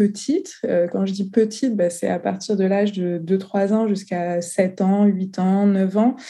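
Somewhat breathy, a woman's voice carries a dark, mellow tone at a medium pitch. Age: 30s. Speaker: medium and shamanic practitioner. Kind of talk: interview.

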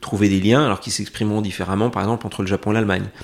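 This is a man speaking. His pitch is fairly low. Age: 40s. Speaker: travel agency president. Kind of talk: interview. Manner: hesitant, many fillers and repetitions.

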